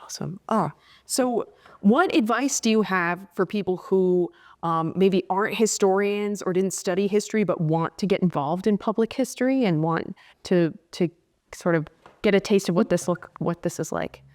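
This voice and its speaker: A woman's voice: medium pitch, moderate pace, darkish tone. A woman hosting a casual interview, talking thoughtfully and searching for her words as she goes. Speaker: interviewer, museum educator.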